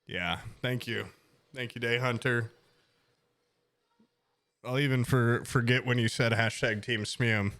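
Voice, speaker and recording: A man's voice: mid-range voice, fairly even intonation, takes it slowly, long pauses, fairly bright tone, no echo. A man in his late twenties, a streamer chatting casually and rambling with self-mocking jokes to his viewers. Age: 20s.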